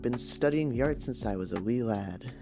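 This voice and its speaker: A man's voice: mid-range voice, moderate pace, close to an everyday voice. A man voicing a confident, sardonic young trans woman in a visual novel, with playful, breezy teasing. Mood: breezy, chatty. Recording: clear guitar music behind. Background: guitar music.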